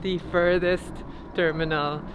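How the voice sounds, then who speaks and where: This travel vlogger's voice is lowish and steady, and she takes her time as she chats upbeat and casually on the go. She films in airports, on streets and in a hotel room, with noisy street sounds around her.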